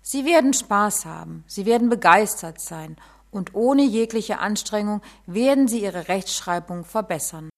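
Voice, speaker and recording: Woman with a persuasive sales pitch. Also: lively intonation, measured pace. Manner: persuasive barker-style calls.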